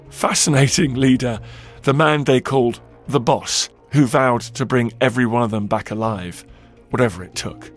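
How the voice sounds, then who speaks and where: Male narrator, documentary podcast host, dramatic emphatic read, music bed under voice. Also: mid-range voice. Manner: dramatic, emphatic storytelling delivery. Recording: narration over loud music.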